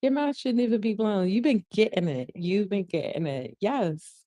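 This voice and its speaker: A woman in her forties, speaking, hosting a casual livestream. She talks softly to keep her voice down, reads viewer comments aloud and laughs often. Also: medium pitch, expressive, normal speed, no echo. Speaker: livestream host. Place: shared co-working space. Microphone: earphones mic.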